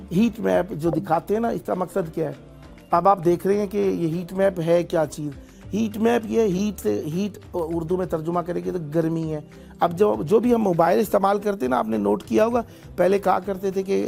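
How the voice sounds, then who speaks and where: A man's voice: high-pitched, gravelly, a little mellow. A man hosting a live TV call-in show, thanking callers with blessings and explaining things on air, stumbling now and then over foreign place names. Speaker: TV call-in host.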